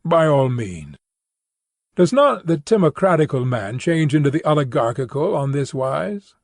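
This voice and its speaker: Male audiobook reader, very lively intonation, slightly husky voice, formal measured delivery, scripted philosophical narration. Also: fairly high pitch, no echo, clean studio sound. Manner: measured, formal, expressive reading.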